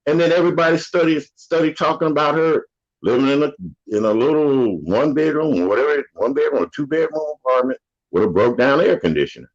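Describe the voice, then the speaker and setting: A man's voice: on the high side, lively intonation, fast. An older man in casual conversation, an opinionated, rambling storyteller from the United States. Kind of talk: casual chat. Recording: dull lo-fi audio.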